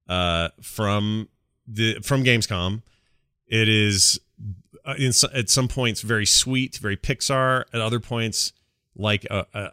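Male podcast host, lowish bright voice, casual conversational chat, close dry sound. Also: smooth, dry recording.

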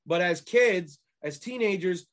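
Guest, man in his 40s from Canada, fairly high voice, jokey storyteller. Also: lively intonation, unhurried. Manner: joking, storytelling. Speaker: guest musician. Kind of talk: casual interview chat.

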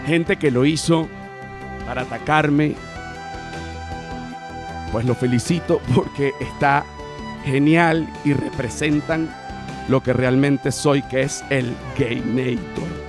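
A man rambling through a comedic podcast monologue at a mid pitch, swinging from loud outbursts down to low mumbles. Faint music plays under his voice. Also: takes it slowly, long pauses. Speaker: podcast host.

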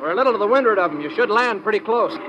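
Easygoing radio-drama pilot: casual, laconic, high-pitched for a man, dull noisy recording. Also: lively intonation, racing. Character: easygoing American charter pilot. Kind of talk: 1950s radio drama acting.

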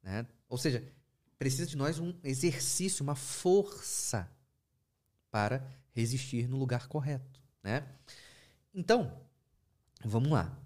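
Male therapist, storytelling talk, animated pitch jumps, casual asides, mid-pitched voice. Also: measured pace, pauses often. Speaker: therapist speaking about his practice. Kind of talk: conversational teaching talk.

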